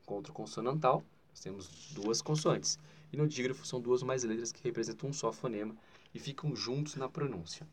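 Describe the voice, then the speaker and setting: A man's voice: medium pitch, a little fast, slight background noise. A man with a Brazilian Portuguese accent giving a grammar lesson in an explanatory way, often adding "né?" and leaning hard on key terms. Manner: explanatory, with frequent "né?" asides and spoken emphasis. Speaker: teacher.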